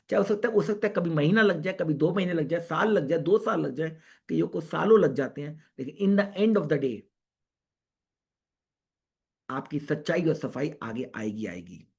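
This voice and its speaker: Husky man lecturing earnestly. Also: a little high. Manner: earnest, repetitive, mixes English into Hindi. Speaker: psychiatrist speaker. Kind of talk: online lecture. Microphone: video call.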